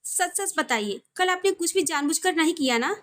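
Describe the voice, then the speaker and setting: A woman's voice: very high voice, expressive, normal speed, a bit bright. A woman voicing a guarded young wife, shy but firm, in a romantic audio story. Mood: doubtful.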